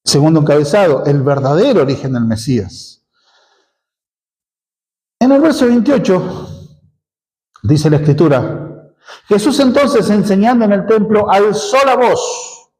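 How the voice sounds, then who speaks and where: A man's voice: sits high, expressive, unhurried, pauses often, a little mellow, rough recording. A male pastor with a Rioplatense Argentine accent, teaching an expository sermon in church, asking rhetorical questions as he explains. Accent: Rioplatense Spanish.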